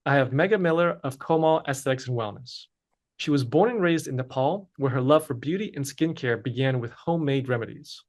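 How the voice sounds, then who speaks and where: A man's voice: mid-range voice, a little fast. A man hosting a podcast, reading a guest introduction and asking interview questions. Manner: steady, reads scripted intro then asks questions. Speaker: podcast host.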